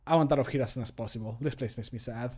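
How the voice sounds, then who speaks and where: A man's voice: mid-range voice, rapid-fire, mellow, husky, close to an everyday voice. A melancholic male adventurer from a fantasy game , acted by an amateur man. He is empathetic and wistful, and speaks his lines in a subdued way. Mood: sad, subdued.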